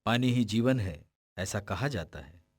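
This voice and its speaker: Narrator: man, lowish voice, solemn and measured, dry booth. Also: lively intonation, dry recording. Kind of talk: scripted narration. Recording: dry studio voice-over.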